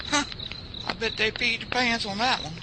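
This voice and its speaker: A man's voice: very high voice, normal speed. A man playing a jumpy buddy, talking outdoors at night. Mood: plain talk. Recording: loud cricket night noise.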